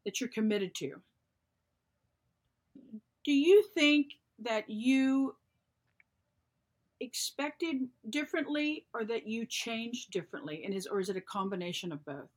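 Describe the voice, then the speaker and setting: A woman's voice: on the high side, unhurried, long pauses, rough recording. A woman from the American South, a podcast guest who tells stories animatedly and acts out the lines of others. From Southern United States. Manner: animated storyteller, acts out quotes. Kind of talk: casual chat.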